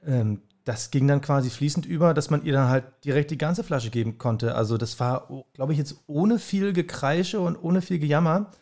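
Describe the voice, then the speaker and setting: A man's voice: fairly high pitch, expressive, moderate pace, few pauses, darkish tone. A man co-hosting a casual chat who talks hesitantly and searches for his words. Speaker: podcast co-host.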